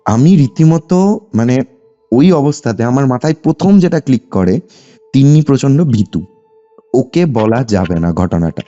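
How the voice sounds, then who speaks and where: Calling in over a muffled, lo-fi phone line with background music, a young man with a West Bengal Bengali accent shares a personal story in an animated, conversational way. He speaks unhurriedly in a mid-range voice, frequently adding short tags to make sure he's understood.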